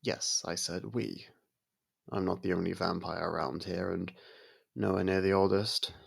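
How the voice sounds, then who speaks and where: A man playing an aloof centuries-old vampire who grudgingly cares for a human, in an intimate ASMR roleplay, gravelly, husky and measured with a slightly haughty, halting delivery. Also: sits low, steady tone, full character voice. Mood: measured, explanatory.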